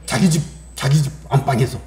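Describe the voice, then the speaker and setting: A middle-aged male pastor giving a lively Sunday sermon. He asks the congregation questions and acts out voices from his stories. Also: medium pitch, fairly quick, reverberant.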